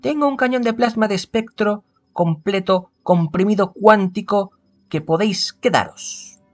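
Man putting on an excitable high-pitched girl inventor. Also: measured pace, soft background music. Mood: eager. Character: excitable, eccentric young female inventor, proud and secretive. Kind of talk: visual novel character reading.

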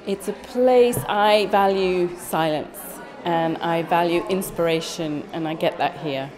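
A middle-aged woman speaking calmly and in measured terms about valuing silence. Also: lowish voice. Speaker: churchgoer. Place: church hall.

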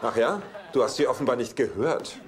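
A man's voice: mid-range voice, a little fast, a loud crowd, lightly acted. An actor playing a cocky, womanizing bachelor with a glib, sardonic delivery in a German-dubbed sitcom, on a noisy soundtrack. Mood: smug, sardonic.

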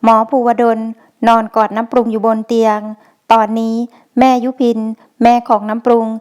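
Brief: female audiobook narrator, steady storytelling, clean smooth voice, slightly high. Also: normal speed. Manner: steady storytelling, reading a male first-person narrator.

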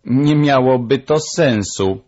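A man voicing a proud, lecturing female parrot with a shrill voice, in a storybook audiobook. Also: slow, a little mellow, dull audio.

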